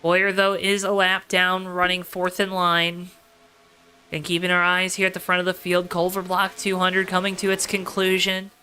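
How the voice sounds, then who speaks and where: A motorsport commentator calls a race live in a mid-range voice that stays monotone, at normal speed with a sharp tone. His play-by-play leans on dramatic, emphatic repetition and colorful phrasing.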